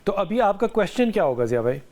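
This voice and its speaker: Pakistani urdu guy hosting a religious call-in show, calm, kinda high voice, short hmms. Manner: calm, gives advice, short acknowledgements. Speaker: host.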